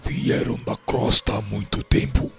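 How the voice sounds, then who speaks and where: A man with a Brazilian accent playing a hostile, suspicious priest of a dark spirit city in a radio drama, gravelly and harsh, questioning curtly and giving orders. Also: a little slow, soft background music, natural voice. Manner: curt, commanding interrogation.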